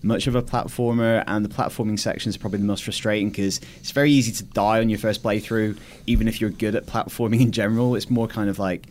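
A man's voice: lowish voice, steady tone, fast, few pauses, a little mellow, a little hiss or hum. A British man chatting casually about video games as a podcast guest, explaining things in a thoughtful way. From United Kingdom. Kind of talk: casual game discussion.

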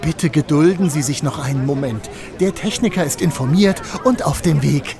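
An actor playing a polite, flustered railway station attendant in a children's audio drama. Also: male voice, fairly high pitch, normal speed, vocal fry, crowd noise. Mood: apologetic. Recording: music behind the voice.

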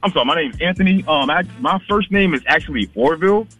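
Husky, bright African American male caller. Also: a little high, animated, quick pace, faint music behind. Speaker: radio show caller. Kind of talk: casual chat.

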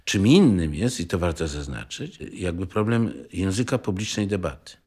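An older man recalling his past in a halting, digressive way, often checking for agreement. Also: deep voice, expressive, darkish tone, breathy edge. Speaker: interviewee, former youth group member. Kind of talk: spoken reminiscence in a documentary.

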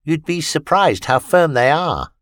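A gentle alien youngster, put on by a man, speaks in a precise, polite way, its voice lifted high above a normal adult's. The tone swoops and rises with plenty of movement. The sound is close and dry. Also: very animated, unhurried, no echo. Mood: earnest, explaining. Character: small gentle alien child, earnest and formal.

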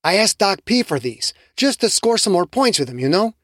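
Storybook role: narrator doing a tense, insistent young man, pitched high, lively swings. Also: normal speed, dry recording, clean studio sound, heavily acted. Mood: explaining. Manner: insistent, frustrated, swears.

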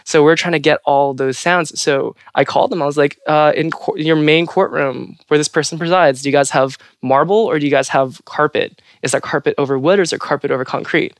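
A woman's voice: low voice, fairly quick, few pauses, dry recording, clean studio sound. A trans woman from California, a Foley artist, chatting casually on a podcast with a fairly androgynous voice. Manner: animated, androgynous voice.

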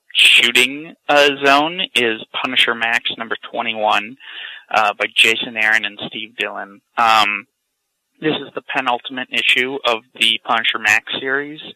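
A man's voice: mid-range voice, pushed and bright, no echo, poor audio. A man co-hosting a podcast, chatting casually in a laid-back way. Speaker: podcast co-host.

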